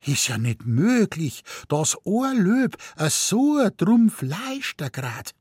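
A woman's voice: mid-range voice, big pitch swings, slow pace, darkish tone, breathy edge, no room sound, pitched above the performer's own voice, exaggerated voice. A man reading aloud voices a plaintive, nagging Munich wife in broad Bavarian dialect. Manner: plaintive, scolding, pleading.

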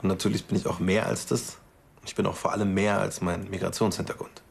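Low, gravelly German man. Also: level tone, a little fast. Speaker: rapper. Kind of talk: self-introduction.

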